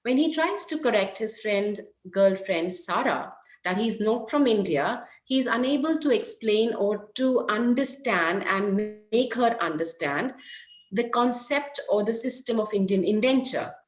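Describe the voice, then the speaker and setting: A woman presenting an academic paper, reading it aloud in a measured, careful way. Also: on the high side, lively intonation. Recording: echoey room.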